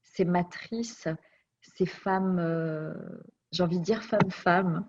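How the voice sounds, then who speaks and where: A woman's voice: fairly low pitch, slow, noisy background. A woman telling her life story as an interview guest. She speaks reflectively and searches for her words. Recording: dull lo-fi recording.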